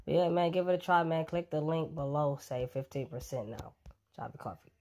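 A fitness vlogger casually pitching a coffee to his viewers, relaxed and chatty, with plenty of ums. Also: fairly quick.

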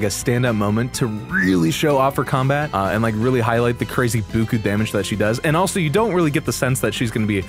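A man delivers excited, hyperbolic commentary on game trailers. His delivery is casual and sweary, with very lively swings in pitch, over background music. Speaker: video host reacting to game trailers.

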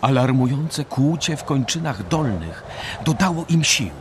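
A man narrating a dark story as a scripted radio drama. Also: mid-range voice, lively intonation, a little slow, noisy background.

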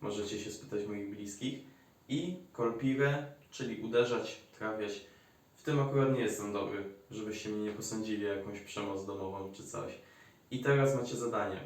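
A man's voice: lowish voice, moderate pace. A man with a Polish accent teaching Italian grammar at a whiteboard, talking in a chatty way with joking asides. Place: room by a whiteboard. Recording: very echoey room, mic at a distance.

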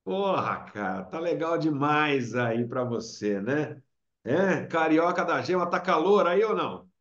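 A man's voice: on the high side, animated, measured pace, a bit bright, echoey room. Salesy host, middle-aged man, dull lo-fi video-call sound. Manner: upbeat, salesy, emphatic. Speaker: agency host interviewer. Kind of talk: casual video-call interview. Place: small room indoors. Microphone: webcam on video call.

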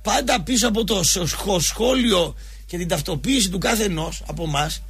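High-ish raspy guy ranting on a sports show, emphatic and colloquial, keeps restarting. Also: a bit bright. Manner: colloquial, emphatic, full of restarts and mock quotes. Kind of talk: rambling football commentary monologue.

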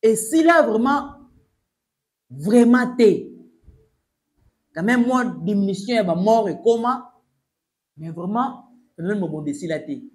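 High-voiced young Congolese commentator. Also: male voice, animated, measured pace, long pauses, a little mellow. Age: young adult. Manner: emphatic, urgent, gesturing while addressing the camera. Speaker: news commentator. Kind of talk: mixed French and Lingala commentary. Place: small plain room indoors.

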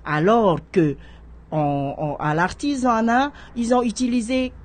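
A woman's voice: a little high, unhurried. A middle-aged woman, a guest speaking in a radio studio interview who often restarts and repeats words. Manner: hesitant, repeats words while searching for them. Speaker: guest, horticulture association president. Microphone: studio microphone on a stand.

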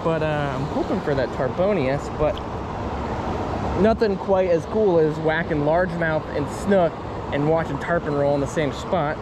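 A young man narrating his fishing trip outdoors, chatty and excited, repeating words for emphasis, recorded on an action camera. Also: a little high, moderate pace. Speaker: fishing vlogger. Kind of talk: casual narration while fishing. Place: outdoors by a river spillway. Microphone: action camera on chest or head. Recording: outdoor recording with clear background noise.

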